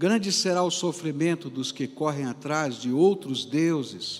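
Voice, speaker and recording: With music in the background, a man speaks at a very slow pace in a fairly high pitch. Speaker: pastor, preacher. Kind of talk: scripture reading aloud.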